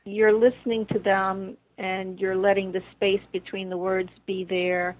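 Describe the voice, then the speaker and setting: A woman calling in to ask a question, talking haltingly with many restarts. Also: medium pitch, flat delivery. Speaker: caller. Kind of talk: phone-in question. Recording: phone line.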